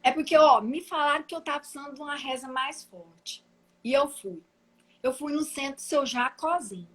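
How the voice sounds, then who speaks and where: A woman's voice: sits high, moderate pace, a bit bright, rough recording. A woman retelling the story of a humble, flustered man who pleads for help, laughing as she goes. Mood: pleading.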